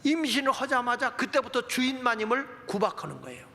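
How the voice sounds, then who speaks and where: High, gravelly preacher in a reverberant hall. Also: male voice, fairly quick. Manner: animated storytelling preacher, acts out prayers and taunts. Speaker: pastor. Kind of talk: sermon.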